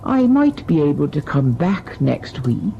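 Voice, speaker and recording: A woman's voice: low voice, big pitch swings, a little slow, creaky, dark tone, full character voice. An actress playing a superstitious, deferential older servant woman, guarded and uneasy, in an old-time radio drama. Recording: dull, noisy old radio recording.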